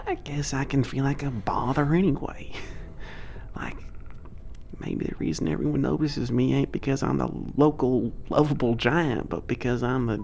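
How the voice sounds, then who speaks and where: A man's voice: mid-range voice, steady tone, moderate pace, creaky, a little mellow, slight background noise, close to an everyday voice. A man voicing a shy, lonely young male giant who speaks in folksy, hesitant phrases. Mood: wistful. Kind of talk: ASMR audio drama.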